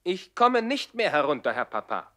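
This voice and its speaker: A defiant aristocratic boy in an old-style radio drama. The voice is raised and very animated in pitch, with an insolent, hot-headed delivery. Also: moderate pace. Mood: stubborn. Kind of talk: 1960s German radio play acting.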